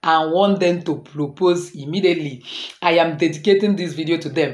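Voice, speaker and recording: A woman's fairly low voice at a fairly quick pace, with fairly even intonation and audible room echo. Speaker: spiritual advice channel host. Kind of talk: tutorial. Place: home room. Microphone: phone near.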